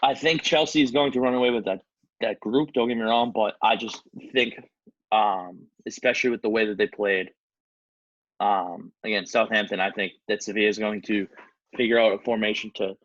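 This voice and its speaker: A man's voice: fairly low pitch, fairly even intonation, moderate pace, a bit bright, no echo. A man co-hosting a podcast, chatting casually and hesitantly about football. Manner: hesitant, stumbles over foreign names. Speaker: podcast co-host. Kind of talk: casual sports chat. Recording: dull lo-fi, dry sound.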